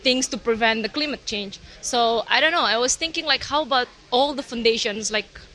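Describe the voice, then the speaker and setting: A young woman with an Indonesian accent talks at a roundtable, pausing and searching for her words. Her voice is bright and sits a bit high. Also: rough recording. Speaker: roundtable participant. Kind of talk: casual roundtable discussion.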